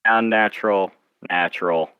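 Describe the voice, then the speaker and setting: A man's voice: on the low side, fairly even intonation, normal speed, clear, resonant tone, no room sound, narrow, tinny audio. A man speaking as an author being interviewed, chatting informally and often slipping into imagined quotes to make his point. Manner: informal, acts out imagined lines of dialogue. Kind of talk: casual interview chat.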